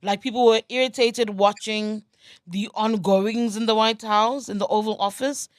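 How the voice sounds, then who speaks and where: A woman's voice: mid-range voice, steady tone, no echo. Casting: woman, candid and composed interview answer, close dry recording. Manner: measured, candid and self-assured. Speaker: guest in a played interview clip.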